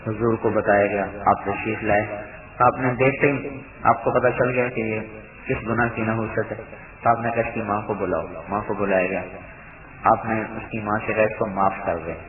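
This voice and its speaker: A man's voice: on the low side, fairly even intonation, background noise. Man preaching through a tinny, roomy recording. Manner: earnest, exhorting, retells stories with quoted speech. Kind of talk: sermon to a gathering.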